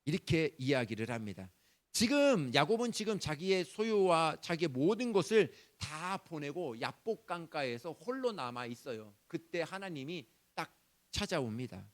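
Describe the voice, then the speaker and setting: A male pastor preaching a Sunday sermon, animated, acting out prayers in a raised voice. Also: fairly high pitch, moderate pace. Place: church sanctuary.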